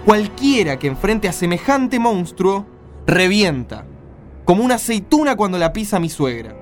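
A man's voice: sits high, very animated, normal speed, soft background music. A man with an Argentine accent playing a blunt, skeptical, weary caravan-leader father in a radio play. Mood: grim, emphatic.

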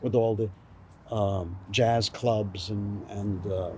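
An older man from New York recalling his childhood in a slow, rambling interview, with many fillers. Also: lowish voice, steady tone, mellow, slight background noise. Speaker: author. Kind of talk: oral history interview.

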